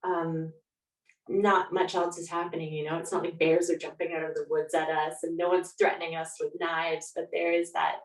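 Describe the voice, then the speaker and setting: A lower-pitched woman with a Canadian accent speaks as an author being interviewed. Her talk is reflective and conversational. The recording is roomy and echoey, with her voice set back from the mic. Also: level tone, normal speed. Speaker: author guest. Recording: echoey room, distant from mic.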